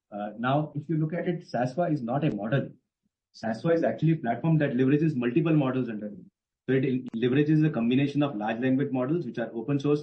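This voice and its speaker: An Indian-accented man with a mid-pitched voice answers as a senior executive. He explains in an emphatic, assertive way, off the cuff. The sound is dull and band-limited, like a conference line. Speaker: company executive on an earnings call. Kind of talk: spontaneous explanatory answers to analysts.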